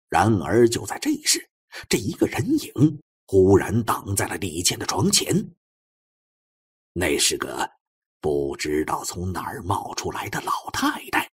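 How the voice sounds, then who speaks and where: Male audiobook narrator for suspense fiction: low, very raspy voice, theatrical, swinging from hushed to forceful.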